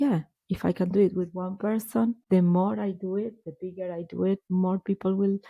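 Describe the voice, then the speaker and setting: A woman with a non-native accent speaks at a moderate pace in a medium-pitched voice with a dark, mellow tone, the sound dry and close with no echo. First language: not English. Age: 40s. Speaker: life coach and podcast host. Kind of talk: personal reflective monologue.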